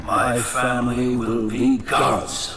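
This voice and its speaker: Over loud background noise, a man at medium pitch does a put-on character voice. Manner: ominous.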